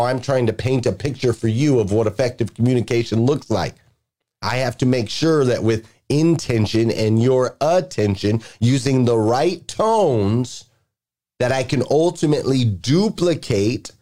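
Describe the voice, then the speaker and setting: A middle-aged man delivers a motivational talk on leadership. He speaks with energy and emphatic repetition, drilling his points home. He slips into lively storytelling to make them stick. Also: mid-range voice. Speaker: podcast guest speaker, leadership coach.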